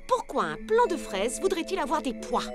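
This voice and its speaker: A woman voicing an excitable, self-important young girl detective in a dubbed children's cartoon, theatrical and pompous. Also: high-pitched, moderate pace, music in the background. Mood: eager, self-important.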